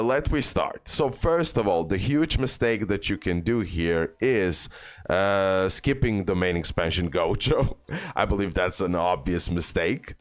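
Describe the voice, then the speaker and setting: A man giving casual gaming advice in an emphatic, repetitive way, often checking in with a short questioning tag. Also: low-pitched. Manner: emphatic, repetitive, ends points with "okay?". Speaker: game video creator. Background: music.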